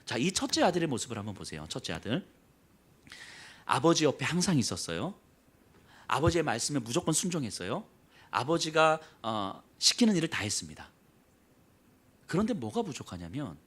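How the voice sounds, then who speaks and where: A man preaching a sermon as pastor, telling a story with acted-out quotes and dropping to soft, low emphasis. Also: sing-song, normal speed, long pauses, husky.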